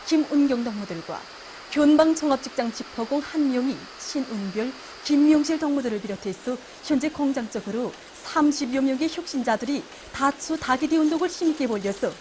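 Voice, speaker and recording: A woman's voice: high-pitched, darkish tone, a little hiss or hum. A woman with a North Korean accent reading a scripted state television news bulletin in a formal, declamatory way.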